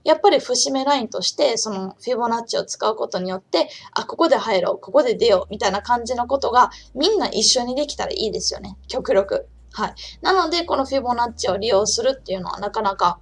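Chatty lady explaining trading charts on a live stream, kinda high with some vocal fry, talks to herself and reads the chat out loud. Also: animated, quick pace, few pauses. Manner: calls herself by name in the third person. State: recovering from a sore throat. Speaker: trading channel host.

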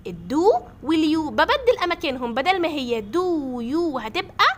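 High-voiced Egyptian woman teaching grammar. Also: very animated. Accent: Egyptian Arabic. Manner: patient, repeats examples slowly and voices pupils' questions. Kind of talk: classroom grammar lesson.

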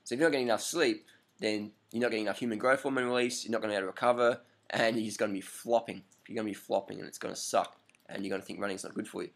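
A man's voice: fairly low pitch, fairly even intonation, rapid-fire, gravelly. A man in his thirties answering a viewer's question in a casual, rambling webcam vlog indoors, repeating his points for emphasis. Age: 30s. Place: indoor room with curtains, at night. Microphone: laptop webcam up close.

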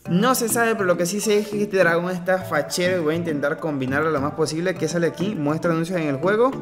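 A man's voice: high voice, fast talker. A young man from Venezuela with a Venezuelan Spanish accent, talking through his gameplay in casual chat, hyping his viewers and tagging "eh" onto his lines. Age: young adult. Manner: chatty, hypes viewers, constant filler "eh". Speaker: gaming streamer. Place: small home room. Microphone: headset boom mic. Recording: game music behind the voice. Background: game music.

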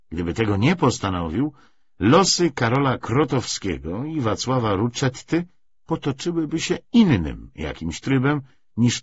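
Male literary narrator, lowish register, animated intonation, measured dramatic delivery. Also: breathy edge. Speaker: audiobook narrator. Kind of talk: expressive literary audiobook narration. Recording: slightly dull, muffled recording.

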